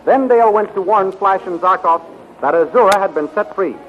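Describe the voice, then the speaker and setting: A man's voice: sits high, a little fast, soft background music. A man narrating a 1930s radio adventure serial as its announcer, dramatic and declamatory. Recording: dull, vintage 1930s radio recording.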